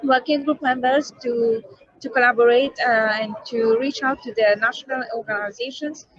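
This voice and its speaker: A woman panelist from a youth climate network, speaking hesitantly with many fillers, her voice slightly croaky. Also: a little high, fairly even intonation, normal speed, a bit bright, no echo, highs cut off. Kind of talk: panel discussion over video call.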